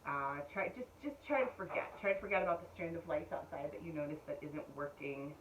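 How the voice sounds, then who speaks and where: A middle-aged woman leading an online yoga class, chatting in a meandering way and giving gentle breathing and pose cues. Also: deep voice, a little fast. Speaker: yoga instructor. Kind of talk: casual spoken yoga class guidance. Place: home room. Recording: distant mic, dull sound, faint room noise.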